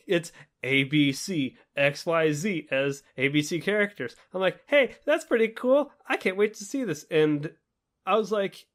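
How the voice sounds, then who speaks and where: A man hosting a casual podcast discussion, acting out his own reactions as he talks. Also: a little high. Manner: animated, acts out his own reactions in quotes. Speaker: podcast host.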